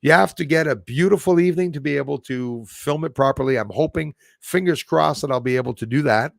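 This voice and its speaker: On the high side and gravelly, this man talks briskly as an enthusiastic livestream host, rambling and chatting with viewers as if they were buddies. The recording is dry with clean studio sound.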